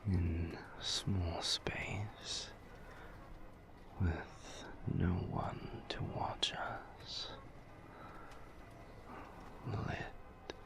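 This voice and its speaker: A man playing a suave, flirtatious vampire in intimate roleplay audio, with breathy half-whispers and formal, silky phrasing. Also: low-pitched. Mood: teasing, intimate. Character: suave seductive male vampire, indulgent and flirtatious.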